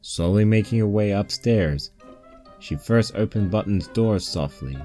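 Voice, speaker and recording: A man's voice: on the low side, unhurried, dark tone. A man reading a fan fiction story aloud as scripted narration. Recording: poor-quality mic with music bed.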